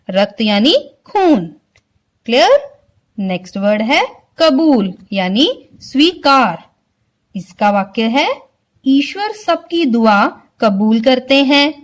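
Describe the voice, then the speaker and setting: Slow, lively-voiced woman Hindi teacher. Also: fairly high pitch. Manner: slow, explains word by word, keeps asking if clear. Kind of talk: online vocabulary lesson for children.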